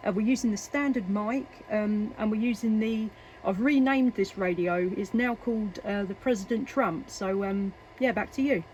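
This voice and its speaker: A woman with an English accent talks in a casual, chatty radio style, pausing with ums as she goes. Her voice sits at an ordinary pitch, recorded in a workshop with clear radio noise around it. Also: darkish tone. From England. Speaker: CB radio operator and video maker. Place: workshop at home. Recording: noisy, radio static and hiss.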